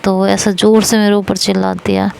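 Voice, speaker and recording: A woman's voice: mid-range voice, level tone, moderate pace, gravelly, darkish tone, slight background noise, rough recording. A woman narrating a first-person audio love story casually, mixing English phrases into her speech.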